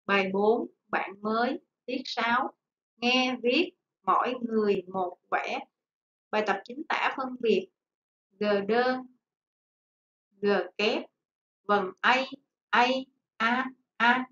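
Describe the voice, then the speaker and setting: Woman, primary teacher dictating to young pupils word by word; high voice, dull echoey recording. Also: fairly bright tone. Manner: dictating, deliberate, enunciating word by word. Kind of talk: slow dictation-style lesson for children. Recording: echoey room, dull sound, faint noise.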